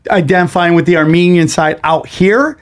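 A man's voice: sits high, moderate pace. A man who grew up in the United States, a guest comedian in a casual podcast conversation, ranting heatedly and swearing often.

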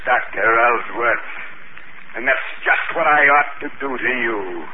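A man's voice: mid-range voice, natural voice. An actor playing a bitter, vengeful giant man in a 1950s radio drama, cold and menacing. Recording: tinny, hissy old radio recording.

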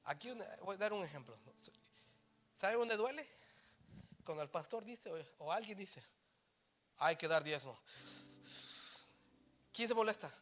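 A man with a Latino Spanish accent preaching a bilingual sermon as a pastor, mixing English into his Spanish and swinging between loud, forceful passages and quiet, low emphasis. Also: expressive, moderate pace, long pauses. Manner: switches between Spanish and English mid-sentence.

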